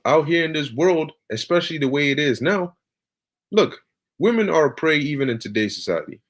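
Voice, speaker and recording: A man preaching on scripture over a video call, emphatic and peppered with "all right" and "okay". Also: mid-range voice.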